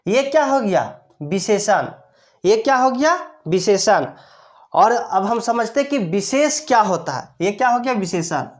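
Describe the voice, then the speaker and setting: A woman's voice: medium pitch, big pitch swings, measured pace. A woman grammar teacher explaining step by step, asking rhetorical questions and answering them herself, repeating each key term. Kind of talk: classroom-style explanation.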